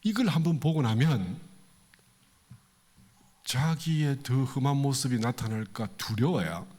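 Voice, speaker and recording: A man's voice: animated, unhurried, a little mellow. A man preaching a sermon to a congregation in a temple hall, in a conversational way, asking his listeners questions and acting out the voices he quotes. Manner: acts out quoted voices with big pitch swings. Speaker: pastor.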